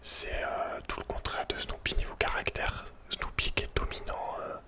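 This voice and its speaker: A man's voice: normal speed, sharp tone. A man telling a personal story in ASMR style, informal and hesitant, often searching for his words. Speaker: ASMR creator.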